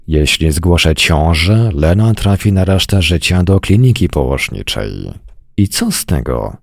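A man voicing a weary, reluctant male soldier who speaks in a quiet, resigned way. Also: low voice, big pitch swings, a little slow, vocal fry, dry recording, studio quality, heavily acted.

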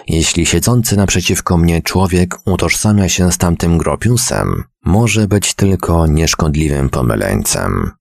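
A man reading a short story aloud in a measured, expressive first-person narration. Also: low-pitched, gravelly, dry recording, studio quality.

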